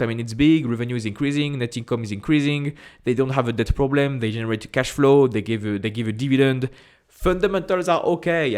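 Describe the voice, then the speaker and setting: A man with a strong French accent talks straight to camera in a casual, direct way. His voice sits in a middle pitch for a man. He repeats phrases and fills pauses with a quick "uh". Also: darkish tone. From France. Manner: chatty and direct, repeats phrases, frequent "uh" fillers. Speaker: investing YouTuber.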